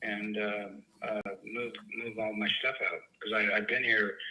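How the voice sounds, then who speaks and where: Noticeable background noise is present. Against it, a man talks at a fairly slow pace. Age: 70s. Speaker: homeowner, sales call prospect. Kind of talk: phone conversation. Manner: halting.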